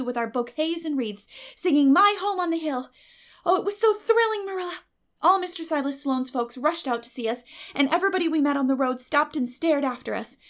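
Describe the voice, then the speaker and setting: A woman's voice: sits high, pitched above the performer's own voice, natural voice. A woman voicing a dreamy, dramatic young schoolgirl in an audiobook, effusive and earnest.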